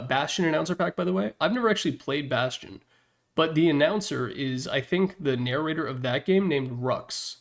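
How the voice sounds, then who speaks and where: A man giving casual, opinionated video game commentary as a presenter, speaking informally with slangy emphasis. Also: fairly high pitch. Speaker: presenter ranking game announcer packs.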